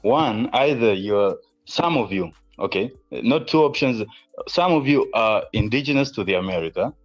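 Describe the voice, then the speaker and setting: A measured man from Tanzania, talking his points through slowly in a stream debate. His audio sounds dull and lo-fi, with faint music underneath. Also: lowish voice, expressive. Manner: measured, reasoning step by step. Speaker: debate guest.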